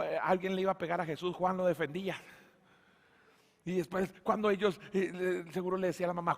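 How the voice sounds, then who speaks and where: A pastor preaches a sermon in a church, his fairly high voice gravelly and husky. He tells stories with animated flair, voicing characters and booming on key lines. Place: church sanctuary.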